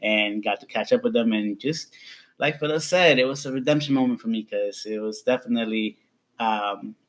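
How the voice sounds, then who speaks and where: A man's voice: fairly low pitch, normal speed, a bit bright. A thirty-year-old man co-hosting a casual podcast with friends, upbeat and a little sassy. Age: 30s. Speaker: podcast co-host. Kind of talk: casual chat.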